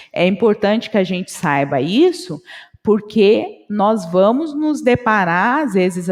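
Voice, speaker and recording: A woman with a Brazilian accent teaching an English lesson, slowly repeating phrases and translating them. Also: on the high side, a little mellow, big-room sound. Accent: Brazilian Portuguese.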